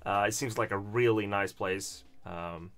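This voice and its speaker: Man, livestream host, bright tone, chatty, self-deprecating. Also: fairly low pitch, unhurried. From Sweden. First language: Swedish. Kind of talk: casual live chat reading viewer comments.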